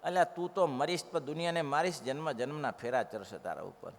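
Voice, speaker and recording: A man's voice: a little high, fairly quick, gravelly. Emphatic male preacher, reverberant hall. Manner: emphatic, rhetorical questions to listeners. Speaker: preacher giving scripture discourse. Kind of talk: devotional sermon.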